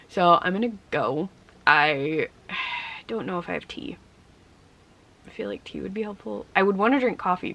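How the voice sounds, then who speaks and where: A woman's voice: sits low, gravelly, sharp tone. A young woman vlogging in a casual, rambling way, congested and tired, with frequent ums. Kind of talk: casual vlog chat.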